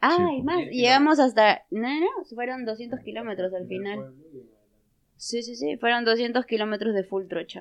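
This woman has an unremarkable speaking voice. Her intonation is lively. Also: fairly high pitch for a woman, moderate pace. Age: 20s. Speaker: traveler. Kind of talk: casual interview.

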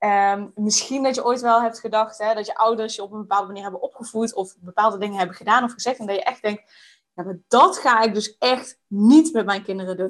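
A woman is talking. Her pace is moderate. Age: 30s. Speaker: coach for mothers, entrepreneur. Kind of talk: podcast interview. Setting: studio, in person with host. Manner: hesitant, many filler sounds.

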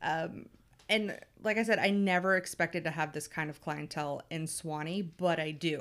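In a plain, everyday voice, a woman speaks at a moderate pace with fairly even intonation on a very clean recording with a silent background. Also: fairly low pitch for a woman. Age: 30s. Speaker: hairstylist. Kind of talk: casual chat.

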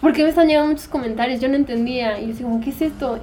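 A woman's high voice with fairly even intonation. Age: 20s. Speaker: actress and model. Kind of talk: interview. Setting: at her home.

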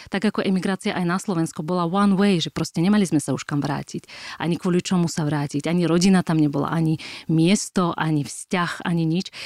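A woman with a slight Russian accent speaks fairly quickly, her pitch fairly low and her intonation fairly even. The recording is very clean and dry, close-miked with no echo and a silent background. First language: Russian (speaking Slovak). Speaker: social media marketing expert. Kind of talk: interview. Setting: studio.

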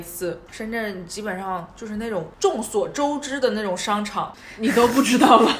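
Through noticeable background noise and audible room echo, a woman speaks at a fairly high pitch and moderate pace with lively intonation. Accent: Hong Kong. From China, Shenzhen. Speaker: visual artist. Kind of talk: casual chat.

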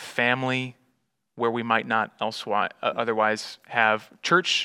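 A man's unremarkable speaking voice, medium in pitch, with fairly even intonation on a very clean recording against a silent background. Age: young. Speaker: pastor. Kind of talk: casual discussion.

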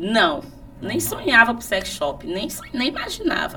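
A woman's high voice swings very widely in pitch as she talks fairly slowly. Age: 30s. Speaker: sex educator and sex shop owner. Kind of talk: casual chat.

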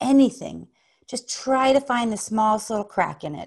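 A woman at a moderate pace with an animated tone, in a very clean recording with a silent background. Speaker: positive psychology podcast host. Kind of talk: motivational talk.

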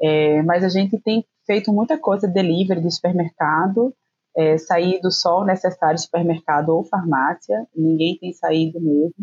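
A woman with a normal speaking voice and a fairly low pitch speaks at a moderate speed, her pitch varying in an ordinary way. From Recife, Brazil. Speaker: audiovisual producer. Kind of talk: casual chat.

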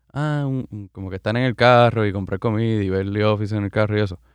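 Very fast and fairly low in pitch, a man rattles through his speech. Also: quiet background. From Puerto Rico, Yauco (south). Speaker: podcast co-host. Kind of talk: casual chat.

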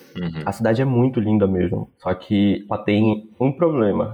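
Against noticeable background noise, a man speaks at a fairly low pitch with ordinary pitch variation. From northern Brazil, Macapá. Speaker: film student, photographer. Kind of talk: casual interview chat.

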